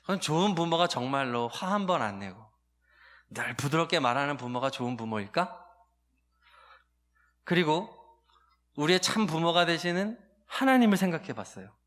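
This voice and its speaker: A man of forty, a pastor, preaching a sermon and telling a candid personal story, with many hesitant pauses that build into emphatic outbursts. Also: fairly high pitch, sing-song, fairly bright tone. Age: 40s.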